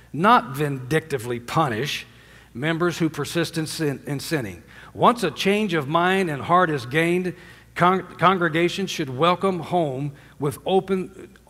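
In a large sanctuary whose stage holds a drum kit, an older pastor preaches with emphasis, calling for amens from the congregation. His delivery climbs loud and then falls to hushed endings, all carried on long hall reverb.

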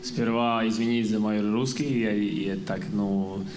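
Low-voiced man with a Latvian accent. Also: steady tone, unhurried, darkish tone, a little hiss or hum. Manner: hesitant, searching for words. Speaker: panel guest, basketball coach. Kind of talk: halting interview answers in a second language. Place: stage in a church hall. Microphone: handheld microphone.

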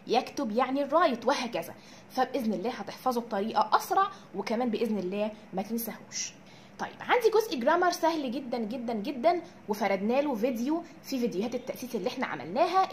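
A woman with an Egyptian Arabic accent teaching English vocabulary, drilling each word with slow repetitions and asking and answering her own questions. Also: high-pitched, slight background noise. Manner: drills words with slow repeated pronunciation. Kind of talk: recorded classroom lesson.

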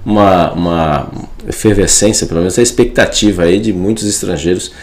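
A middle-aged man co-hosting a radio interview, speaking in a measured, explanatory way at a studio microphone. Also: low-pitched, a little mellow. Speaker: radio co-host.

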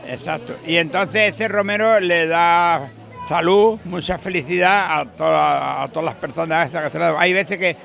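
Older andalusian guy rambling outdoors at night, gravelly bright voice, music and crowd faint behind. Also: a little high, moderate pace. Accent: Andalusian Spanish. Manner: rambling, folksy, emphatic. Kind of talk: casual chat. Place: beach bar terrace at night, outdoors. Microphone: handheld mic held by interviewer.

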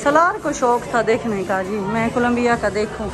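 A woman's voice: fairly high pitch, moderate pace. A middle-aged woman chatting to her viewers as she walks through busy expo grounds and into a pavilion, filming on a handheld phone. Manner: chatty, exclaiming, talks to viewers while walking. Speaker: vlogger. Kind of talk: casual walking vlog narration. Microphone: handheld phone camera. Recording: crowd noise and music behind.

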